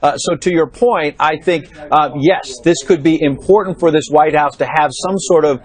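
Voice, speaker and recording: A man reporting from the White House on a cable news panel, explaining in a measured way with frequent fillers. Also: fairly high pitch. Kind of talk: live news panel analysis. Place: studio or remote link from Washington.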